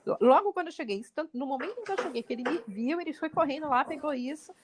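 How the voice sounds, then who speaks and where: A woman with a Brazilian Portuguese accent, co-hosting a podcast and telling stories in lively casual chat, her voice leaping up when she quotes others. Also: quick pace, a little hiss or hum. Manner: animated, jumps pitch when quoting others. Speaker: podcast co-host.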